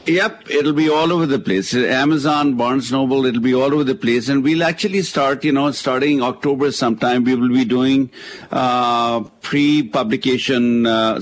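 A man's voice: medium pitch, a little hiss or hum. A man with a South Asian accent talking conversationally as a legal expert on a radio call-in show, often repeating words as he explains.

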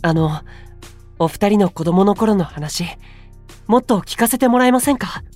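A man's voice: high voice, expressive, moderate pace, darkish tone. A light-voiced, polite young fellow in a voice drama. He speaks with deferential curiosity. Faint music plays underneath. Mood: curious. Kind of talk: Japanese voice drama acting.

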